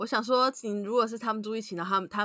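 A woman speaks with a bright, sharp tone. Her pitch varies in an ordinary way. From Taiwan. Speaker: office worker, podcast co-host. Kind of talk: casual chat.

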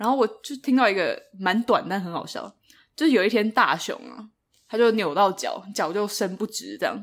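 The pace is moderate with ordinary pitch variation. Loudness swings a great deal. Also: woman, medium pitch for a woman. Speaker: podcast co-host, travel writer. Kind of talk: casual chat.

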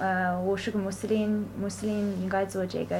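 A woman with an English accent at a fairly slow pace, with audible room echo. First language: English (speaking Chinese). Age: 20s. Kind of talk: interview. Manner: halting.

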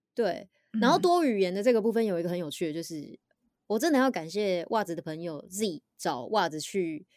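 At a fairly quick pace, a woman with a medium pitch speaks with lively intonation. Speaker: podcast host. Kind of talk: casual chat. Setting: remote audio call. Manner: excitable.

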